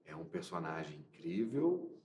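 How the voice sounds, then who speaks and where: A low-voiced man from Minas Gerais talks about his acting work, circling back with fillers and restarts as he searches for words. The room around him rings with echo. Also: very animated, a little slow, warm tone. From Minas Gerais, Brazil. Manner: hesitant, many repeated fillers and restarts. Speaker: actor interviewed about his film. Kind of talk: casual interview answers.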